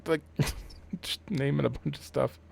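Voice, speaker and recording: A man's voice: fairly high pitch, unhurried, gravelly, slightly rough, dry recording. A man in his thirties giving casual, offhand commentary as he plays a video game, rambling as he goes. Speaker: let's play host. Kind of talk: casual game commentary, reading dialogue aloud. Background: video game music.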